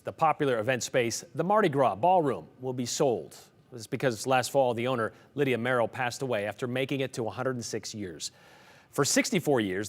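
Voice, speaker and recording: A man presenting the news as a TV anchor in a conversational way. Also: mid-range voice. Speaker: news anchor and show host.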